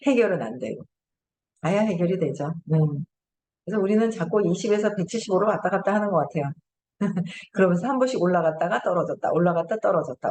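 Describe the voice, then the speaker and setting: A woman's voice: fairly low pitch, darkish tone. Middle-aged woman chatting and laughing, echoey. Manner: chatty storytelling, laughing often. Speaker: host. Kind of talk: casual lecture.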